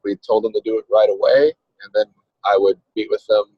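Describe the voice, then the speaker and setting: Man on a car speakerphone, driving; low, husky voice; dull, lo-fi call sound; rambling ministry coach. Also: fairly even intonation, fairly quick, no room sound. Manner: rambling, many restarts. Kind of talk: casual conversational explaining. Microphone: phone on a video call.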